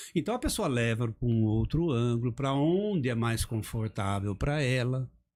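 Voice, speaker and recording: A plain, everyday voice moves at a moderate pace with ordinary pitch variation and very even loudness, recorded very cleanly against a silent background. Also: man, medium pitch for a man. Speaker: public speaking trainer. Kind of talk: podcast interview. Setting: studio.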